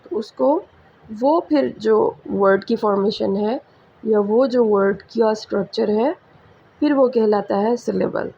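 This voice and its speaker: A woman with a Pakistani English accent gives a school English lesson at an unhurried pace, repeating each example word. Her voice has a gravelly texture. The recording is a little muffled, with faint hiss behind her. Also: medium pitch, dark tone. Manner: slow and deliberate, repeats example words. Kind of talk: slow classroom lecture mixing Hindi-Urdu and English.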